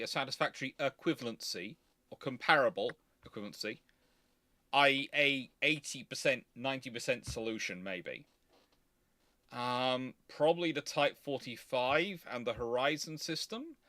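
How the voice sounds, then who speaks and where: A man's voice: mid-range voice, sharp tone, no echo. A man giving casual live commentary, explaining things emphatically and repeating himself to qualify each point carefully. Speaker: host of naval history live Q&A.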